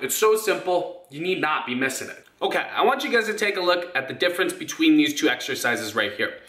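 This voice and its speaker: Young man, high bright voice, blunt fitness coach, emphatic, casual vlog delivery. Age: young adult. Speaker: fitness coach and video host. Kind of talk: instructional vlog to camera. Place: indoor rooms at home. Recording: echoey indoor room.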